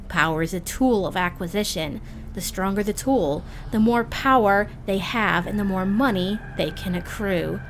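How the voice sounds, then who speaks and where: A woman hosting a guide series, reading scripted narration in a measured, theatrical manner with formal phrasing. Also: mid-range voice. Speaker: host of a roleplay guide series.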